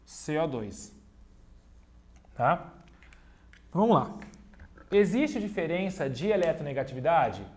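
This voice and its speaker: A man's voice: on the high side, very animated, a little slow, long pauses, darkish tone. A man teaching a chemistry video lesson at a digital whiteboard. He repeats key points step by step, talks straight to his students and slips in playful jokes at his own expense. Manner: playful, cracks jokes and teases himself between explanations.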